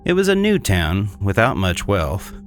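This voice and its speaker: A man playing a cynical, disdainful 1800s swindler, narrating a gothic horror tale in a measured, condescending way. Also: fairly low pitch, wildly swooping pitch, faint music behind. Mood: disdainful, brooding. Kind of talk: scripted dramatic horror narration.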